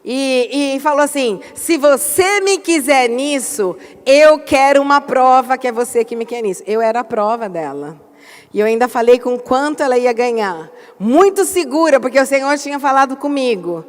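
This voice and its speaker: High-voiced woman pastor, hall echo. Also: normal speed. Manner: animated storytelling with emphatic outbursts. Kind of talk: church conference talk.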